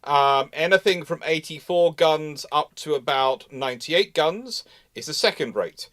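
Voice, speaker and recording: A man's voice: a little high, expressive, a little slow, a bit bright. A man hosting a live question session, explaining casually and emphatically, often restarting his phrases. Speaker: host answering live audience questions. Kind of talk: casual expert discussion, explanatory.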